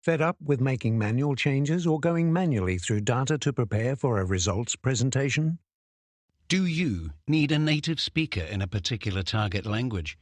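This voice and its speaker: A man's voice: mid-range voice, expressive, normal speed, dry recording. A man working as a voice-over artist, reading scripted commercial and documentary narration.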